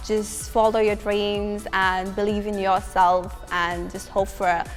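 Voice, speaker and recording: A young woman from Nepal, a university student, speaking hesitantly with many pauses and fillers. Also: medium pitch, little pitch movement, long reverb tail, soft background music. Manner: hesitant, halting. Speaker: international student. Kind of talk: casual student testimonial.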